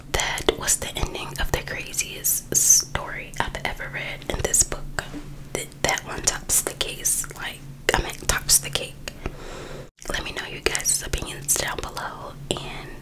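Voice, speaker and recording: Whispering woman reading aloud. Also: poor audio. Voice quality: unvoiced, breathy whisper. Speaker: ASMR host reading a true crime book. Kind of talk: whispered ASMR read-aloud with casual asides.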